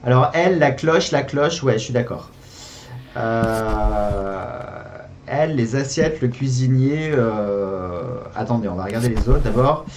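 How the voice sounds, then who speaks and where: A man's voice: medium pitch, unhurried, darkish tone, a little hiss or hum. A man hosting a gaming video, giving casual commentary on a board game as he plays, thinking aloud with hesitations and repeats.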